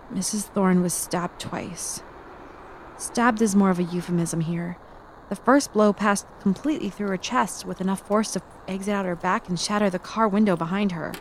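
A woman playing a methodical police detective, dictating a case log in an audio drama in a deliberate, dry way. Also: lowish voice, slight background noise, lightly acted, rough recording. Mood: musing, wry. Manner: clinical, deliberate, wry.

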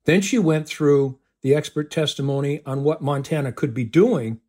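An older man, a law professor, answering interview questions in a deliberate way, listing points one by one. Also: a little high, a little mellow.

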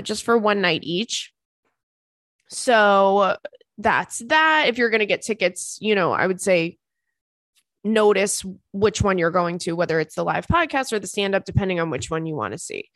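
A woman's voice: medium pitch, fairly bright tone, dry recording, clean studio sound. A young woman hosting a casual solo podcast, sounding congested from crying, chatty and joking with a self-deprecating streak. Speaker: podcast host and stand-up comedian.

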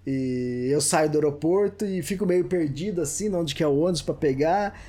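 A man's voice: a little high, moderate pace, dark tone. A Brazilian man with a Brazilian Portuguese accent, a book author chatting as a podcast guest, telling anecdotes with laughs. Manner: laughing storyteller, acts out quoted voices. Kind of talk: casual chat.

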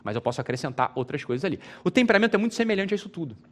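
A man's voice: on the high side, sing-song, racing. A Brazilian man giving an informal spoken lecture, emphatic and repetitive, often checking with his listeners through rhetorical questions. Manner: repeats phrases, restarts. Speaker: teacher.

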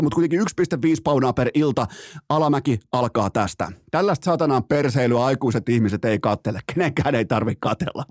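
Recorded in studio quality with no echo, this podcast host's voice is a little high and darkish in tone. He does a comic sports rant, mock-outraged, profane and theatrical, stretching out words to emphasize them.

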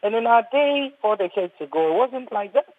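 With a slightly high, expressive voice and a brisk delivery, a woman doctor in her sixties from Ghana speaks earnestly on a panel, repeating words often as she restarts. The dry recording has a thin, phone-like, husky sound.

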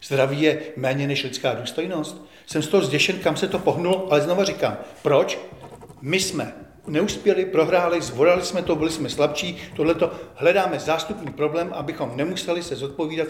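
Older male pundit, indignant and emphatic, slightly high voice, echoey studio. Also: slight background noise. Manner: indignant, emphatic, repeats himself. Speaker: veteran football journalist, guest. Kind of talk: studio interview.

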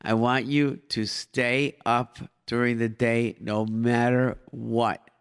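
A man's voice: medium pitch, flat delivery, takes it slowly, clear, resonant tone. A middle-aged man hosting a live call-in show, giving informal advice in short repeated phrases peppered with Hebrew and Yiddish expressions. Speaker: radio call-in show host and advice giver.

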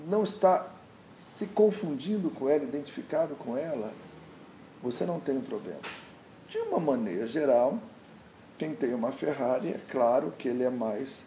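Gravelly meditation teacher in an echoey room. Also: male voice, mid-range voice, mellow. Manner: searching, repetitive restarts, storytelling. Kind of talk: reflective casual interview talk. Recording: echoey room with faint noise.

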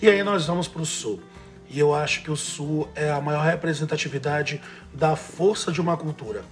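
A man's voice: fairly high pitch, moderate pace, faint music behind. Thoughtful man with a Northeastern Brazilian accent. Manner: thoughtful, enthusiastic, trails off searching for words. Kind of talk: casual chat.

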